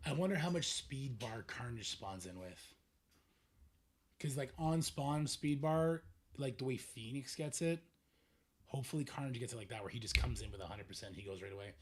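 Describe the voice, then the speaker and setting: A man's voice: medium pitch, normal speed. Man with a tired, strained streamer voice. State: losing his voice, strained throat. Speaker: live streamer. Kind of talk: casual gaming livestream chat.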